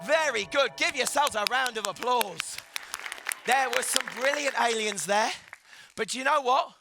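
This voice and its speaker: A man presenting a live children's science show with an excitable, theatrical manner, urging the audience to cheer. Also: very high-pitched, measured pace, gravelly, a crowd in the background. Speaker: stage presenter. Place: live event hall with an audience. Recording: music playing behind.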